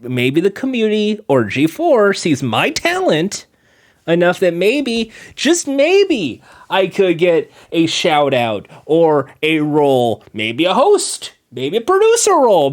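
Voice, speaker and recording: A man with a nasal, whiny voice co-hosting a stream, joking and teasing in playful banter. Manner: animated, jokey, swings his pitch for bits. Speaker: streamer and co-host.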